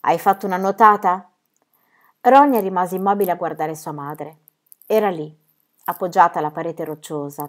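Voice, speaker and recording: A woman narrating a children's novel, expressive and building in intensity during emotional passages. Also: fairly low pitch. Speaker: audiobook reader.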